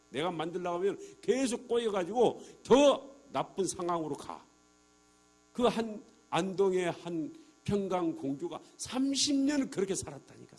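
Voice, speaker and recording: A man's voice: sits high, husky. A middle-aged man, a church elder, giving an evangelistic testimony sermon to a congregation, acting out conversations and asking the listeners rhetorical questions. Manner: animated, acts out dialogues in quoted voices. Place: church sanctuary.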